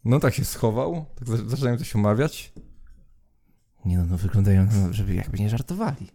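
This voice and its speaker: A man's voice: lowish voice, lively intonation, brisk, mellow. A man running a tabletop role-playing game, describing the scene to the players in second person with small hesitations. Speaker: game master.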